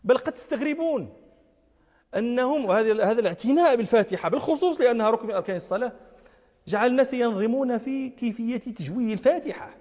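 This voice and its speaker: A religious scholar with a very high, darkish voice speaks fast with lively intonation. He gives an emphatic lecture on recitation and jurisprudence, repeating key phrases and asking rhetorical questions, with long hall reverb on the recording.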